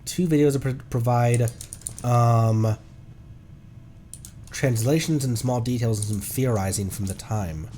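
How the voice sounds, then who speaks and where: A man's voice: medium pitch, measured pace, long pauses, dark tone, a little hiss or hum. A man giving casual, playful commentary on a game livestream. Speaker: streamer. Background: game music.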